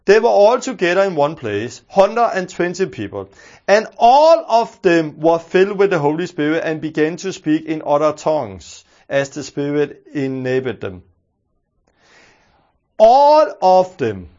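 A man's voice: on the high side, very animated, measured pace, darkish tone, muffled recording. A man with a Danish accent, teaching a sermon in an earnest, emphatic way, repeating his key phrases. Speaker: preacher.

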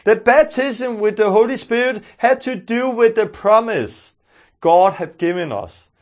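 A man's voice: high-pitched, animated, unhurried, dull audio. A man with a Danish accent, teaching a sermon in an earnest, emphatic way, repeating his key phrases. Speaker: preacher.

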